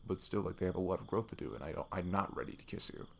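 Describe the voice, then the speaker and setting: Man acting as a low-voiced, creaky, bashful best friend. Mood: nervous, relieved. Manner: halting, giggly, soft-spoken. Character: shy, affectionate young male best friend, cuddly and nervous. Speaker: audio roleplay performer. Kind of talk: intimate ASMR roleplay acting. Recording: faint noise, night crickets behind. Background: crickets and night insect ambience.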